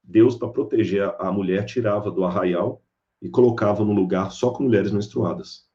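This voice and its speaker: In dull-sounding audio, a preacher with a fairly low voice speaks at a normal speed. He is giving a sermon-like lecture on the Bible, bringing its stories to life by acting out each character with animation.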